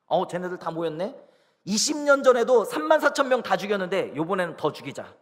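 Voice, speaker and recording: Boastful bloodthirsty enemy soldier, as a preacher puts him on. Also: male voice, high-pitched, very animated, a little fast, voice pushed up. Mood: mocking. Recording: long church hall reverb.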